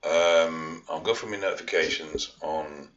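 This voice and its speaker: A man with a Yorkshire accent and a very low, deep voice talks straight to his viewers. He is blunt, dry and swears without a second thought. The sound is a little dull and lo-fi. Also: a little slow, fairly bright tone. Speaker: fitness and art vlogger. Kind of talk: casual chat to viewers. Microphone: own vlog mic.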